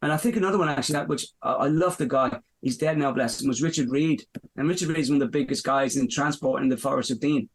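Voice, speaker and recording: Fast and slightly rough, with a mid-range pitch, this Dublin business owner in his fifties speaks with an Irish accent on a podcast. He rambles through the interview questions, often restarting and using fillers.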